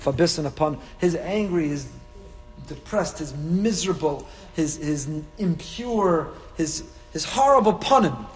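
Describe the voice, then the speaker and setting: A man's voice: a little high, a little slow. A man with a Yiddish-inflected American Orthodox Jewish accent gives an impassioned, rhetorical sermon as a rabbi, sprinkling in Yiddish and Hebrew and repeating phrases for effect. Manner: animated, rhetorical repetition, peppers speech with Yiddish and Hebrew. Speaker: rabbi giving a Torah lecture. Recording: reverberant hall.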